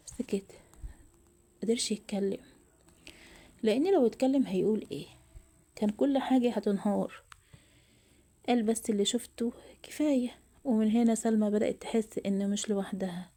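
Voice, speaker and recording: A woman with an Egyptian accent narrating a love story in a soft, often whispered voice. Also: mid-range voice. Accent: Egyptian Arabic.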